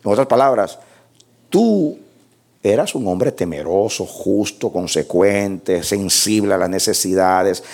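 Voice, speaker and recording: A man's voice: deep voice, measured pace, few pauses, darkish tone. A man preaching a sermon, reading scripture aloud and commenting on it with rhetorical questions and repeated words for emphasis.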